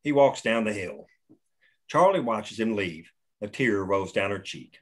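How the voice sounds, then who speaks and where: A man's voice: on the low side, expressive, a little slow, husky. A man reading stage directions at a script table read, plain and matter-of-fact.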